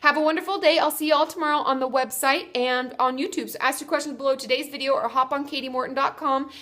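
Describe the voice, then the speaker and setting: A young woman therapist with a stuffy, congested nose answers viewer questions in a casual advice vlog, chatty and reassuring and correcting herself as she goes. Her high voice is steady, quick, pushed, and bright.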